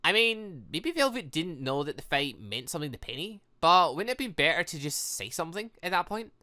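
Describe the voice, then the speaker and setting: A gaming video host giving casual let's play commentary, chatty, rambling and excitable, thinking aloud as they go. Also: mid-range voice, fairly quick.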